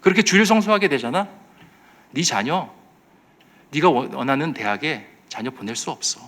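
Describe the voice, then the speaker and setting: A man's voice: a little high, lively intonation, normal speed, a bit bright. A man voicing the taunting world as tempter. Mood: scolding. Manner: taunting, needling questions.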